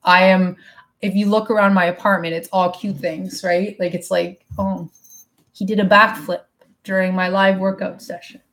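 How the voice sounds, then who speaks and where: A woman's voice: mid-range voice, flat delivery, moderate pace, a bit bright. A woman in her thirties chatting frankly and casually with her live viewers, swearing now and then, recorded on a webcam mic in her apartment living room. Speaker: vlogger answering live chat. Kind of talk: casual live-stream chat. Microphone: webcam mic at desk.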